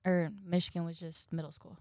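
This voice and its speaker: Soft-spoken young woman. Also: fairly low pitch, flat delivery, brisk, no room sound, studio quality. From Ohio, US. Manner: brief, shy answers with soft laughs. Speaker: guest.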